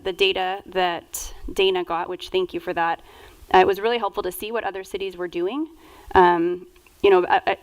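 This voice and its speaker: A woman speaking as a council member in a meeting, explaining things in a deliberate, halting way. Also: medium pitch, smooth, rough recording. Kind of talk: council discussion.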